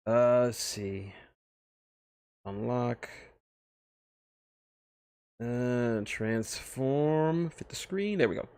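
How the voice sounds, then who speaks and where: A man's voice: medium pitch, very slow, long pauses, darkish tone, clean tone, no echo. A man hosting a livestream, chatting casually and rambling with profane, enthusiastic fan talk into a close microphone. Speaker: streamer, host. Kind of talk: casual livestream chat about fan fiction.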